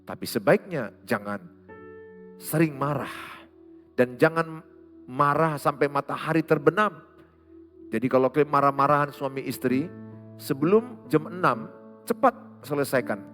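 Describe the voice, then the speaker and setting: A man preaching a sermon as pastor, with a Medan Indonesian accent, swinging from loud rebukes to quiet asides. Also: on the high side, a little slow, long pauses. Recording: long hall reverb, faint music behind.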